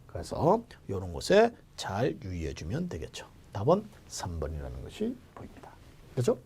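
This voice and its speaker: A man teaching Korean grammar for civil service exams in a jokey, animated way, jumping between loud calls and whispered asides, his throat strained. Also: fairly low pitch, moderate pace, breathy edge. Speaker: Korean language exam lecturer. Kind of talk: online exam-prep lecture.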